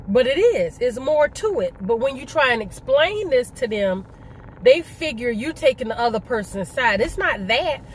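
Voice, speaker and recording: A middle-aged woman talks casually to her viewers in a fairly high voice. She makes her points emphatically, repeating herself and asking rhetorical questions. There is noticeable ambient noise behind her, like the sound of a vehicle or outdoors. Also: rough recording. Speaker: vlogger. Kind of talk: casual mukbang conversation, storytelling.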